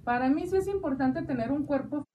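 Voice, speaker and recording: A woman with a Mexican accent hosting a talk show, chatty and playful, speaking warmly to her listeners. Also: sits high, brisk, far from the mic, muffled recording, noisy background. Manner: chatty and playful, calls listeners "hija de mi vida". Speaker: radio show host. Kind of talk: casual talk show chat.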